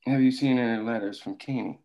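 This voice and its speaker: A man's voice: mid-range voice, fairly quick, dull audio, close to an everyday voice. A man reading the part of a cold, curt boss giving orders in a drama table read. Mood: stern. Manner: curt, commanding. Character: cold, commanding company boss questioning an informant.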